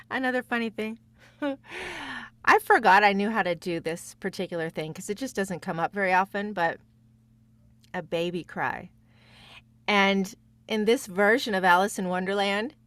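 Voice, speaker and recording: A woman guest voice actress telling stories casually, in a chatty, giggly, rambling and animated way. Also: mid-range voice, dry recording.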